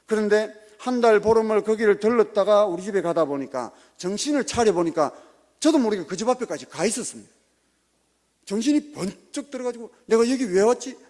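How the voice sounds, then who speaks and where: A middle-aged man, a church deacon, giving an animated spoken testimony in a church and acting out the voices in his story. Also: sits high, brisk, long reverb tail. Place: church sanctuary.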